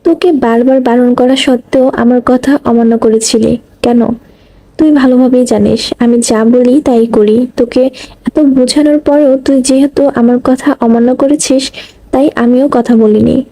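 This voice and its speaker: A stern young man who scolds firmly yet cares deeply, as a woman reads him aloud in a storybook. The voice sits high and mellow. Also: steady tone, normal speed, low-quality recording. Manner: scolding, firm. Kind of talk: audiobook reading.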